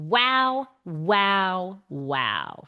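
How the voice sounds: A woman speaks with a New Jersey accent and a bright, sharp tone. The background is quiet.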